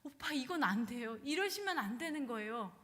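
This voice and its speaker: Figure: woman acting a distraught young princess. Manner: high, tearful pleading. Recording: long hall reverb. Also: sing-song, moderate pace, a bit bright.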